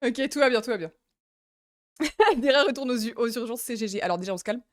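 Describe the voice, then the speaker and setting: A woman's voice: fairly high pitch, lively intonation, fairly quick, no echo, clean studio sound. A young woman from France streaming live, chatting casually and giggling as she reacts to her viewers.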